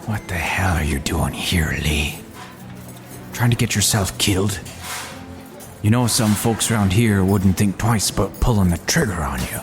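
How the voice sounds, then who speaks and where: An actor playing a gruff small-town cafe owner in an audio drama, blunt and commanding. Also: male voice, deep voice, a little slow. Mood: menacing. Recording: music behind the voice.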